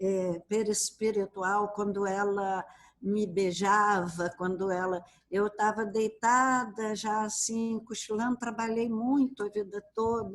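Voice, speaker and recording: The pace is very slow. A woman talks in a medium pitch. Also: fairly even intonation. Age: 70s. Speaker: spiritist medium. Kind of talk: interview.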